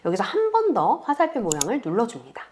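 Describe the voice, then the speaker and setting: A woman teaching beginners step by step in a calm, patient screen tutorial, speaking close to the mic. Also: fairly high pitch, noisy background. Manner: patient, explains slowly to beginners. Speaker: online tutor.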